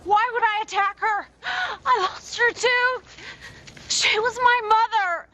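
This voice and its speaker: A hurt, estranged daughter trying to reach her father. Her very high, bright voice stumbles and pleads. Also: slow pace, slight background noise, exaggerated voice. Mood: pleading. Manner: hesitant, pleading.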